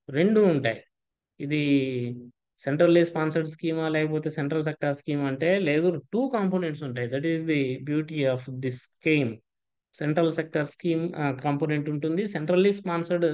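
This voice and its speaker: A man's voice: a little high, a little mellow, lo-fi sound. A man teaching an online exam-prep lecture, explaining step by step, mixing in English terms and checking in with his students.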